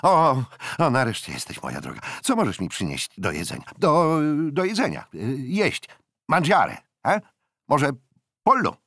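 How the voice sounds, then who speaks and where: Guy doing a jolly loud sea captain, gravelly low voice, super dry sound. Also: wildly swooping pitch, measured pace, no echo, exaggerated voice. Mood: boisterous. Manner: loud, jovial, breaks into laughter. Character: hearty young male naval captain, boisterous.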